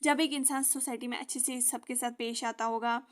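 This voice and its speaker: A young woman explaining a lesson for exam students in casual Hindi with English terms, often checking in with a quick "okay". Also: fairly high pitch, fairly even intonation. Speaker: exam-prep teacher.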